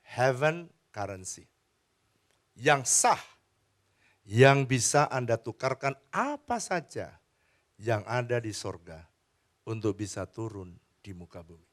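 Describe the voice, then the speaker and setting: A man preaching a sermon as pastor, telling stories and chatting with the congregation. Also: mid-range voice. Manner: animated storytelling, chats with the congregation. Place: church.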